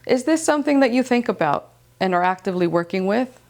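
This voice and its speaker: Calm woman from Iceland hosting. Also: a little high, fast talker. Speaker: podcast host. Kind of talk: scripted reflective narration, then casual chat. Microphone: wireless transmitter mic.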